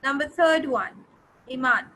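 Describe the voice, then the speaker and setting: A woman's voice: high-pitched, expressive, measured pace, a bit bright. A woman with a South Asian accent teaching an interactive grammar lesson, instructive, repeating phrases and checking that pupils understand. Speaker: English teacher.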